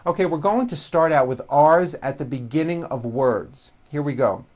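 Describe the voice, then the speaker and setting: A pronunciation teacher narrating a language lesson, giving instructions and enunciating example words with deliberate emphasis for the learner to repeat. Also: mid-range voice, darkish tone. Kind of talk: language lesson narration with slow, repeat-after-me word drills.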